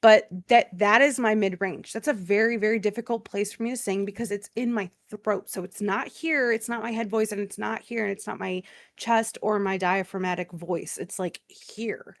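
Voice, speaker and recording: A woman with a relatively low voice, co-hosting a podcast, giving animated, profane, effusive feedback in casual chat. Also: normal speed, no echo, clean studio sound. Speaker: podcast co-host.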